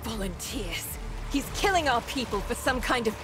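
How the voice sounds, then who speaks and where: An actress playing a passionate rebel operative in a dramatic video game scene. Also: female voice, on the high side, expressive, normal speed, loud music behind the voice, natural voice. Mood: alarmed, outraged.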